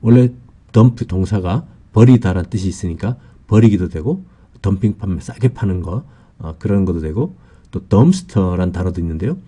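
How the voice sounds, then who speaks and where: Guy teaching english words, low mellow voice, kinda husky, slow and patient with lots of uh's. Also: lively intonation. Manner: slow and patient, many "어" fillers, lists meanings one by one. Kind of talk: explanatory lesson, unscripted.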